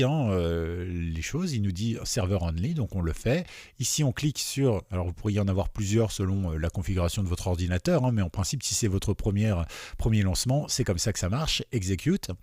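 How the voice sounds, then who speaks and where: Casual software tutor, male, low mellow voice, dry close sound, chatty, keeps checking that viewers follow. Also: expressive, moderate pace, slightly rough, no room sound. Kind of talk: screen-recorded software tutorial.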